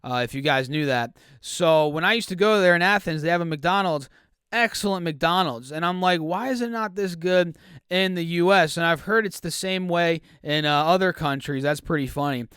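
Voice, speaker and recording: Male host, higher pitch, clean crisp voice on a dry close mic, easygoing stock-talk chatter. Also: fairly bright tone, dry recording. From United States. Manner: chatty, reads earnings numbers with quick asides. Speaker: stock market YouTuber. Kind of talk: casual market commentary.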